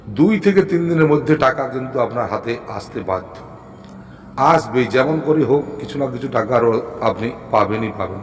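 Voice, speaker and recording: A man addresses his viewers as a spiritual teacher and explains how to chant mantras, pressing his promises with firm repetition. His voice sits in a middle pitch. It rings with a long reverb over a faint hiss. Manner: emphatic, repeats firm assurances.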